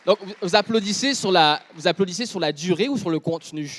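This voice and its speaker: Quebec French male preacher, slightly high voice, swings between hushed and booming. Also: fast talker, some chatter behind. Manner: shifts from quiet intimate speech to loud joking with the congregation. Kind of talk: sermon.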